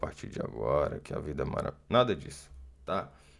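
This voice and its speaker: A man speaks with vocal fry. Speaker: YouTube reaction streamer. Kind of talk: casual reaction commentary.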